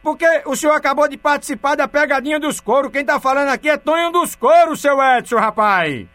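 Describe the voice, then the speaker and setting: A man's voice: very high voice, fairly quick, pushed and bright, dry recording. A man hosting a radio prank call, talking in a pleading, folksy way. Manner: pleading, folksy, keeps saying "rapaz".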